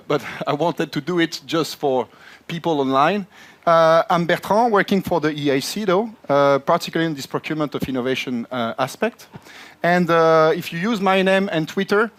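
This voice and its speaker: A man moderating a conference session, speaking as an in a halting, filler-heavy way. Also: a little high, a bit bright. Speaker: panel moderator. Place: conference room.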